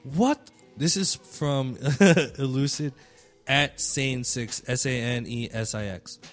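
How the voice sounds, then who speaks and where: A man's voice: mid-range voice, slow. A man who works as a music producer hosting a panel in casual, slangy, conversational talk with some swearing. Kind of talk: casual chat.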